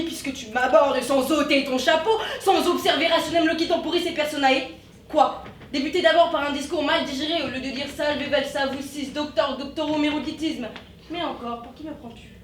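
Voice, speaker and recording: An impatient, blunt man losing his patience with a windbag, acted on stage by a young woman. The voice is high and echoes around a roomy hall, heard from a distance with faint hiss. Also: a little fast, natural voice. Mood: exasperated. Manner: exasperated, stagey. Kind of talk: stage comedy acting. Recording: roomy stage sound from afar, faint noise.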